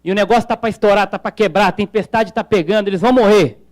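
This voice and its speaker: A man's voice: high voice, fast talker. A male pastor preaching a sermon in a conversational way, with jokes and rhetorical questions.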